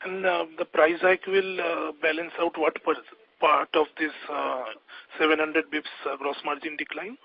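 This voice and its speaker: A man's voice: fairly high pitch, level tone, moderate pace, vocal fry. A man, an analyst asking informal follow-up questions on an earnings call. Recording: dull lo-fi phone call.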